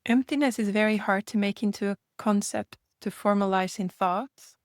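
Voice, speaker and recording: A woman's voice: medium pitch, dry recording. Woman guiding a meditation, close and dry. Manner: gentle, unhurried invitations with long pauses. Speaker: meditation guide. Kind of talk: guided meditation.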